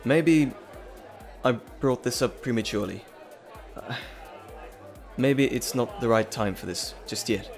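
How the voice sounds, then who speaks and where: A man's voice: mid-range voice, a little slow, long pauses, faint music behind, a faint crowd, close to an everyday voice. A man playing an earnest, nervous scientist and professor in an audio drama, with hesitant, stammering, wordy and formal speech. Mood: flustered, awkward. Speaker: voice actor. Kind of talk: dramatic roleplay audio acting.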